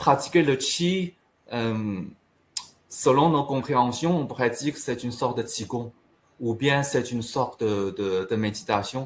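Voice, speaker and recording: A man's medium-pitched voice with a Chinese accent, fairly slow with long, frequent pauses and ordinary pitch variation. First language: Chinese (speaking French). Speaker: traditional Chinese medicine practitioner and teacher. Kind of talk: interview. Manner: halting.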